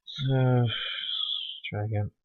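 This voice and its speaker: A man's voice: medium pitch, steady tone, takes it slowly, no room sound, narrow, tinny audio. A man giving casual, chatty commentary while streaming a game, with sarcastic asides.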